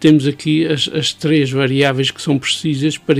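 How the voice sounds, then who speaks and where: At a moderate pace, a man speaks with a fairly high pitch and monotone, flat intonation. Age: 60s. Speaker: improvised folk singer. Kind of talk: radio interview.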